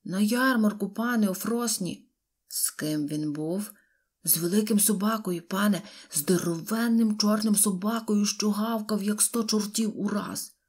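A man's voice: high voice, measured pace, husky, voice pushed up. A woman voicing a terrified male villager who stammers and pleads in an audiobook. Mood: frightened.

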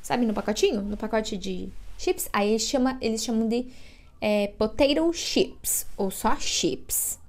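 A Brazilian woman with a Brazilian Portuguese accent gives a bilingual vocabulary lesson at an unhurried pace. Her voice sits fairly high, and she drills each word slowly, asking the listener to repeat after her. Between the drills she adds relaxed, chatty explanations. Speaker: English teacher.

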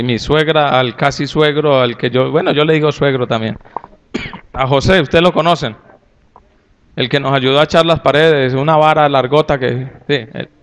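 Un pastor con acento colombiano que predica a su congregación en tono campechano y jocoso, con preguntas directas al público. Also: male voice, mid-range voice, clear, resonant tone. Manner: folksy and humorous, with lively asides to the audience. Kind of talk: sermon to a congregation.

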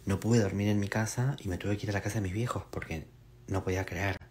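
A young man with a Rioplatense accent, vlogging in a casual, theatrical way. He is nervous and shaken, and his voice jumps into high squeals and laughter. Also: steady tone, quick pace, darkish tone. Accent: Rioplatense Spanish. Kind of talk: casual chat to the camera.

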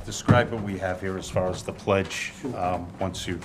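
Low-voiced man chairing a hearing. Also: fairly even intonation. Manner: measured, procedural, deliberate. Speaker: licensing board chair. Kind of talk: formal meeting procedure. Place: city hall hearing room. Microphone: table microphone. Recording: noisy government TV meeting audio.

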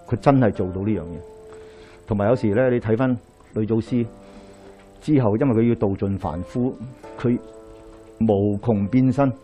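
A middle-aged man with a Hong Kong Cantonese accent, a Daoist priest giving a lecture to a live audience, telling stories with lively rhetorical questions as he moves about. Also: fairly low pitch, normal speed, long pauses, faint music behind. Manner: animated storytelling with rhetorical questions, pacing while gesturing. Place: small lecture hall indoors, in front of a screen.

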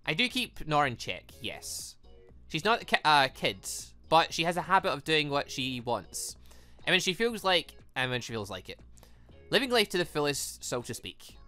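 A video game player reading a calm, reserved young man in a low, quiet, measured voice. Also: faint music behind.

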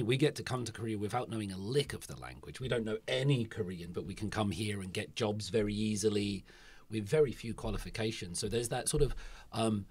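A male host with a fairly low, husky voice leads a relaxed conversation. He is chatty and curious and keeps asking follow-up questions. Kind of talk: casual interview discussion.

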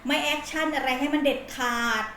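A woman's voice: sits high, fairly even intonation, a little fast, fairly bright tone, a little hiss or hum. A woman doing a casual tarot reading, speaking bluntly and in slang as she dramatically acts out the listener's feelings. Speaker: tarot reader. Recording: roomy echo.

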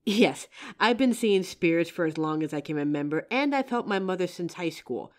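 In a scripted roleplay audio drama, a young adult woman plays a young psychic who is earnest, confident and helpful, addressing the listener politely and with assurance. Her voice is lowish and expressive, at a normal speed, lightly acted.

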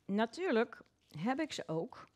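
A woman's voice: fairly high pitch, very animated, a little slow. Cheerful woman narrating her nail work. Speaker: nail technician demonstrating. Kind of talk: live online workshop chat.

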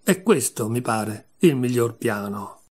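A man voicing a curious, clever young girl in a storybook reading, with a lively, raised voice. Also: mid-range voice, slow, breathy edge. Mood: musing.

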